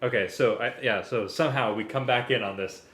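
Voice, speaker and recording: A man's voice: mid-range voice, brisk. A man reading a script aloud and directing a music rehearsal. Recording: echoey room, loud live string music. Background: loud violin and string music.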